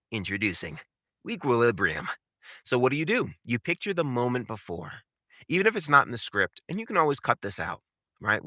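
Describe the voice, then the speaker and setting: Male instructor, lower-pitched yet lively, emphatic delivery for teaching material. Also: dry recording, studio quality. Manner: emphatic, animated, rhetorical questions. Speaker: voice acting coach. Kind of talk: instructional talk with acted examples.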